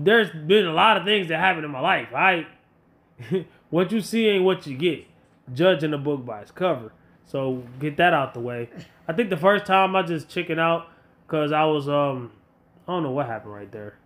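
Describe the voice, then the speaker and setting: A man's voice: on the high side, normal speed, a bit bright. A man in his late thirties talking casually to viewers as a fitness vlogger, blunt, emphatic and colloquial, often repeating himself to make a point. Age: late 30s. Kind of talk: casual motivational talk to viewers.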